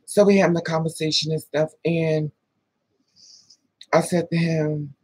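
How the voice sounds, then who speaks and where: Husky woman telling a story. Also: deep voice, unhurried, dry recording. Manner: animated, profane, laughing asides. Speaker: vlogger telling a dating story. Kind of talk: casual storytelling with quoted dialogue.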